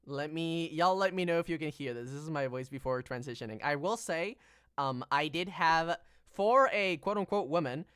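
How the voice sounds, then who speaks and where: A woman's voice: sits low, animated, normal speed, fairly bright tone, smooth, no room sound, studio quality. A trans woman hosting a casual stream chat, who repeats her phrases and laughs often. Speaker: VTuber streamer host.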